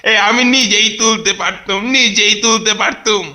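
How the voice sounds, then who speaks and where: A man's voice: high-pitched, fairly even intonation, normal speed, pushed and bright. A man voicing a stammering grumpy old grandpa. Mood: scornful. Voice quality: hesitant stammer. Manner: grumbling, scolding. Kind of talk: cartoon voice acting.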